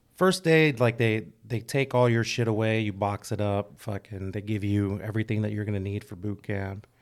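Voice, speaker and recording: A man with a Spanish accent speaks at a fairly low pitch with ordinary pitch variation. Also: moderate pace. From California (Fresno), Mexican immigrant family. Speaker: podcast guest, Marine veteran. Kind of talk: casual chat. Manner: relaxed, profanity-heavy storytelling.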